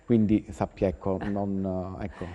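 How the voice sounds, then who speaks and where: Man, voice muffled by a face mask, low pitch, long reverb, hesitant expert explanation. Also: little pitch movement, unhurried, dark tone. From Calabria, Italy. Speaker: lawyer, consumer-rights expert guest. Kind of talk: explaining on a call-in talk programme. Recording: dull sound, long hall reverb.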